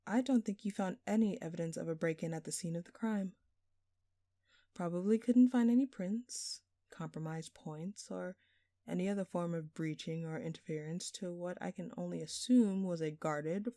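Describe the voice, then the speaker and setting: A woman's voice: on the low side, moderate pace, warm tone, dry recording, studio quality, natural voice. A woman playing a smug, flirtatious jewel thief who taunts a detective with teasing, sarcastic, theatrical phrasing in an audio roleplay. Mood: smug, speculating. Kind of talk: scripted audio roleplay addressed to the listener.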